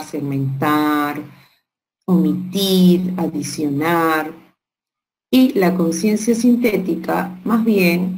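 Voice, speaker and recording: A woman's voice: deep voice, creaky, poor audio. A woman giving an online workshop lecture to teachers, explaining step by step and checking in with rhetorical questions. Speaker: teacher trainer.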